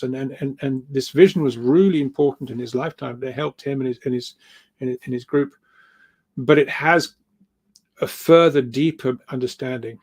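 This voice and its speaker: A man speaking as an interview guest on spiritual matters, halting and repeating words as he rambles through his thoughts. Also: medium pitch, a little mellow.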